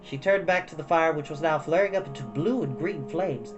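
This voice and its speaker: A man reading a storybook aloud as an expressive narrator. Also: a little high, a little fast, muffled recording, over music. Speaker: storytime reader.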